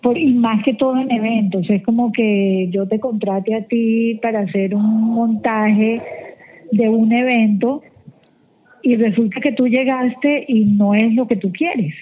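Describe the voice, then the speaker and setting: A woman from Colombia gives firm, practical advice over a tinny phone line. Her voice sits somewhat high, and it comes through thin and narrow like a phone call. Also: fairly even intonation, measured pace. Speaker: guest, event organizer.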